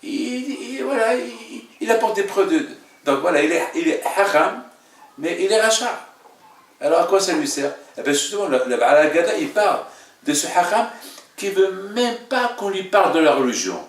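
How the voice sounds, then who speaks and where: Heard from afar in an echoey room, a man leading a religious class as a rabbi speaks in a high voice with big swings in pitch. He teaches informally with questions, haltingly and emphatically, repeating phrases as he goes.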